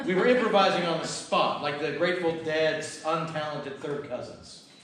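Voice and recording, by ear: A man speaks at a moderate pace, fairly high in pitch with ordinary variation. His fairly bright tone rings with strong room echo.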